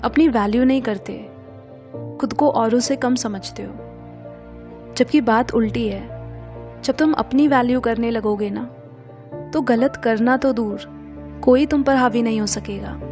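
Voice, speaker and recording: Music plays in the background as a woman speaks with long, frequent pauses. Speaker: poet. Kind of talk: motivational spoken-word poetry.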